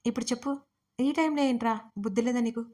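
A woman's voice: fairly high pitch, fairly even intonation, brisk, lightly acted. A woman voicing a curious, sassy young woman in an audio story. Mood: scolding.

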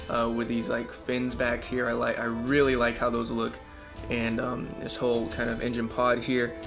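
A man's voice: medium pitch, creaky. A young man giving a casual, unscripted showcase as a hobby presenter, talking in a hesitant, loosely worded way. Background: background music.

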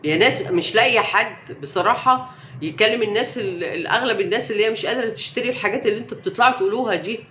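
A woman's voice: medium pitch, racing, sharp tone, roomy sound, lo-fi sound, slight background noise. A young Egyptian woman vlogging live about health, speaking emphatically and defiantly and piling up rhetorical questions. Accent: Egyptian Arabic. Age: young adult. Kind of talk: casual live-stream talk.

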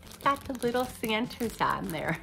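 A woman's voice: on the high side, sing-song, normal speed, creaky, pushed and bright, faint music behind, low-quality recording. An older woman in her sixties, chatting through an unboxing at home, a bit nasal from a cold and rambling with fillers. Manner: chatty, rambling with fillers, seated talking to camera. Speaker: unboxing vlogger. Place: living room at home, indoors.

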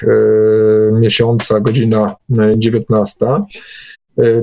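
A man hosting an informal online meeting, speaking hesitantly with many drawn-out filler pauses. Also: medium pitch, a little mellow. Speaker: host of an online group meeting.

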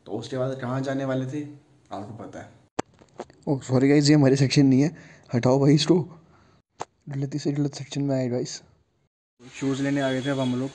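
A man's voice: mid-range voice, warm tone, slight background noise. A man, chatting casually to a phone at arm's length as a travel vlogger. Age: 20s. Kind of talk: casual travel vlog chat. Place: plain rooms, rooftop, streets and shops.

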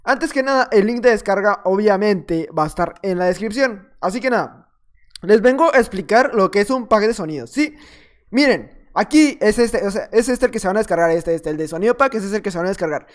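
A gaming video creator with a high, brisk voice and lively intonation gives casual, playful commentary over his own gameplay. He rambles a little and teases the opponents he fights.

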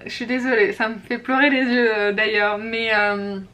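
A woman's voice: a little high, fairly even intonation, normal speed, bright, forceful tone. Chatty woman reviewing beauty products. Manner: chatty and candid, with frequent fillers and self-corrections. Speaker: beauty vlogger. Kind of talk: casual monthly favorites and flops review.

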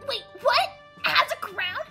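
A woman doing a brash, excitable pony girl. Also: very high voice, measured pace, music in the background, heavily acted. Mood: excited. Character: brash tomboyish young female pony.

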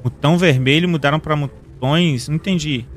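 A young Brazilian man streams a horror game and gives let's play commentary. His voice runs high, and he calls out to his chat with excitable, panicky exclamations. Faint music plays under his voice. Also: fairly quick. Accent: Brazilian Portuguese. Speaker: gaming streamer.

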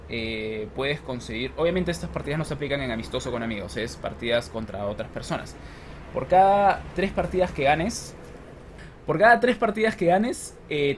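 A man in his twenties talking casually to camera like a gaming vlogger, explaining things step by step. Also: a little high. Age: 20s. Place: small room at home with open window. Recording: clear background noise from street, open window.

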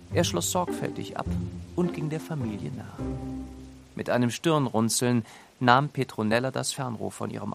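A man narrating a scripted children's story in an expressive, deliberate storytelling manner. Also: mid-range voice, vocal fry. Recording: studio narration over music. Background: music.

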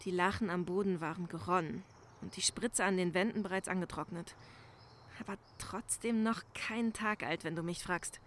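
A woman's voice: fairly low pitch, fairly even intonation, normal speed, fairly bright tone, a little hiss or hum, close to an everyday voice. A woman playing an anxious young crime-scene cleaner in a crime audio drama, speaking hesitantly and urgently, pleading. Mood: concerned. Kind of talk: German crime audio drama acting, conversational.

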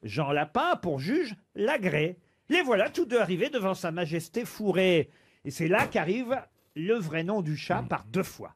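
High-voiced man hosting a radio quiz. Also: sing-song, unhurried, husky. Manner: reads verse aloud, then quizzes the panel. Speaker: quiz host. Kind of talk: radio panel game show.

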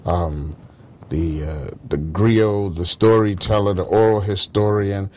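A man interviewing in a conversational way, speaking in measured, articulate phrases and encouraging his guest. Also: deep voice, steady tone, darkish tone, a little hiss or hum.

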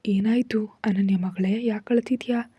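A woman's voice: medium pitch, level tone, moderate pace, mellow, slightly rough, dry recording, close to an everyday voice. A woman voicing a harsh, domineering middle-aged mother-in-law in a storybook reading, scolding in a whisper. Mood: worried.

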